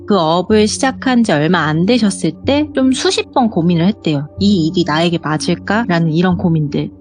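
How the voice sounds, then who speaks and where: A woman's voice: medium pitch, darkish tone. A woman guest telling true scary stories in a conversational way. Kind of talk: conversational storytelling. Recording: music playing behind the voice.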